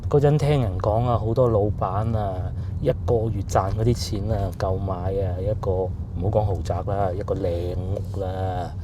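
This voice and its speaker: A man's voice: on the low side, steady tone, normal speed, hardly any pauses, background noise. A man with a Cantonese accent giving rambling, casual vlog narration while riding through streets outdoors. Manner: chatty, rambling with fillers. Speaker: food vlogger.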